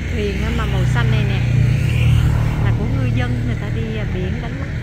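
Dry sound with no echo under loud background noise. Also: woman. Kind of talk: casual vlog chat. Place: open country. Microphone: phone near.

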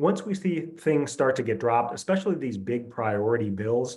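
A man talks fairly quickly, and the background stays quiet. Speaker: presenter. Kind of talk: webinar presentation. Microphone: webcam.

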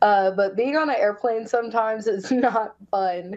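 Over a quiet background, a woman with a fairly high voice speaks at a moderate pace with ordinary pitch variation. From US. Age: young. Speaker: professional wrestler. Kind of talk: interview. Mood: cheerful, smiling. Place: home room. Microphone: video call.

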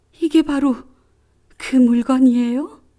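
A woman's put-on character voice, high-pitched and shaky, at a fairly slow pace

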